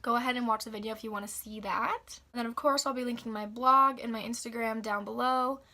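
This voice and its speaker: A young woman with a raspy, slightly hoarse voice after the flu, chatting casually through a makeup tutorial. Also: a little high, fairly even intonation, fast, pushed and bright. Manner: chatty, upbeat, filler-heavy. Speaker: beauty vlogger.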